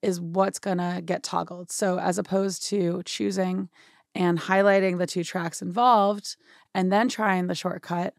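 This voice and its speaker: A young woman with a hoarse, worn-out voice, chatting through a software tutorial in a home studio and often checking in with "right?". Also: lowish voice, level tone, a little slow, dry recording. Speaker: music production tutorial host. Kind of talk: casual screen-share software tutorial.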